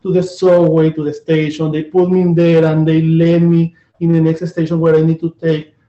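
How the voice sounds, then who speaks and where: A man from Venezuela with a Venezuelan Spanish accent, hosting a casual interview and often halting to search for words. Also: on the high side, completely flat delivery, mellow. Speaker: host. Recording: echoey, dull lo-fi room sound.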